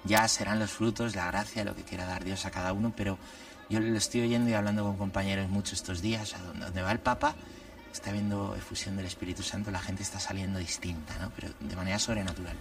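A man, a priest and guest, explaining religious matters in an unhurried, reflective way and laying out his points one by one. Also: low voice, steady tone, far from the mic. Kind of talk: conversational religious commentary.

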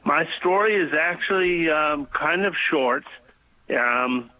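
A male caller with an Upper Midwestern accent tells a personal story on a call-in radio show, halting often with fillers and restarts. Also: a little high, expressive, no echo. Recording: tinny phone line.

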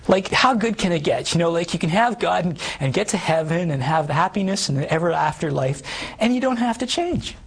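A man around fifty with a hoarse, damaged voice, earnestly telling his life story as an interview guest, halting and full of restarts. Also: on the high side, animated. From Canada. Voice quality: hoarse, gravelly voice. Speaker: guest sharing his testimony. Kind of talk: personal testimony in conversation.

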